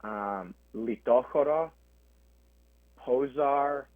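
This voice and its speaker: A man's voice: mid-range voice, very slow, no room sound. Young man on a tinny phone line. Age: young adult. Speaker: guest. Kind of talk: radio interview answers.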